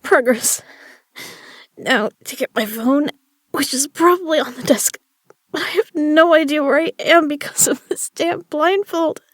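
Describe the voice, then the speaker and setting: A woman's voice: high voice, measured pace, no room sound, studio quality. A woman acting a battered but tough poker player in an audio drama, her delivery strained and gasping. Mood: pained, struggling.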